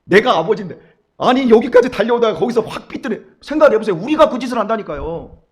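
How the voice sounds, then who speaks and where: Middle-aged guy preaching early morning, voice jumps up and down a lot, kinda high for a man. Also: quick pace. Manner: storytelling, animated, acts out quoted voices. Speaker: pastor. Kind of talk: dawn sermon.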